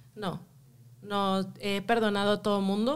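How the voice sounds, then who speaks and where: A woman's voice with fairly even intonation. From Monterrey, northern Mexico; Mexico. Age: 30s. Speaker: adult content creator; podcast guest. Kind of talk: interview; interview answer. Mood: serious, personal storytelling. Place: studio. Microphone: studio mic.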